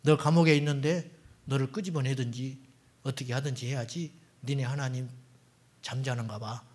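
A man's voice: medium pitch, steady tone, moderate pace, darkish tone, slightly rough, close to an everyday voice. A man voicing a mocking male prison guard, taunting a prisoner in a sermon story. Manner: taunting, scornful.

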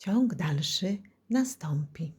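A woman's voice: fairly low pitch, lively intonation, slow, mellow, husky. A woman announcer reading a scripted announcement for a radio play.

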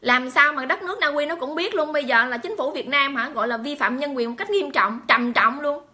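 A woman gives an impassioned monologue to her camera. Her voice is high and bright, and she talks at a rapid clip. She piles on exclamations and rhetorical questions aimed at the people watching. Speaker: vlogger addressing viewers.

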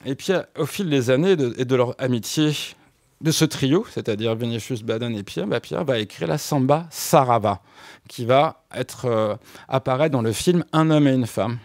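A man speaking as a radio guest, explaining music history in a halting way, with frequent restarts and fillers. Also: mid-range voice, darkish tone, dry recording, studio quality. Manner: hesitant, many restarts and fillers.

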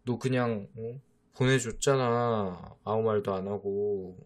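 A man's voice: on the low side, little pitch movement, takes it slowly. A man playing a teasing boyfriend, whispered role-play. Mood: coaxing. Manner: teasing, coaxing, mock-exasperated. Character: teasing boyfriend of a younger, jealous girlfriend. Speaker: voice actor.

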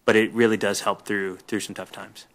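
A man who was an HR director speaks up from the audience with confident information. His low voice is flat in pitch and bright in tone. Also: brisk. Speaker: audience member, former HR director.

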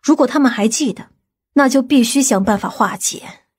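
A woman playing a stern, authoritative aunt in an audiobook, speaking in a firm, measured, commanding manner. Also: high-pitched, slightly rough. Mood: stern, insistent. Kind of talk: audiobook character acting.

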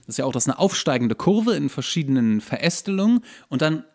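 A man's voice: fairly high pitch, very animated, quick pace. Man explaining things in casual chat. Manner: explanatory, colloquial. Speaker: podcast host. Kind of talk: casual ranting podcast chat.

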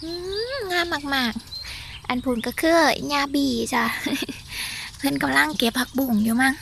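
A woman's voice: sits high, a little slow, creaky, a bit bright, a little hiss or hum. A woman with an Isan accent giving a chatty walking tour of her vegetable garden, exclaiming and talking straight to her viewers.

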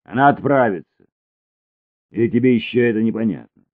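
A man's voice: low voice, steady tone, moderate pace, no room sound, natural voice. A man reading an audiobook voices a domineering, hot-tempered man who barks orders in a raised voice. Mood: angry. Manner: barking, commanding. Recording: tinny phone-like recording.

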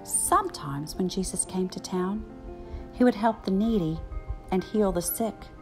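An older woman reads a children's picture book as story time narration. Her voice is medium in pitch, with faint music behind it. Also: unhurried.

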